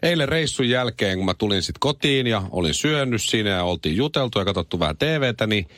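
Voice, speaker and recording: A man in his thirties hosts a morning radio show with a lowish voice that rises and falls a lot as he tells stories. The sound is close and dry, with no room around it. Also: no echo. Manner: animated storyteller. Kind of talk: radio news and banter.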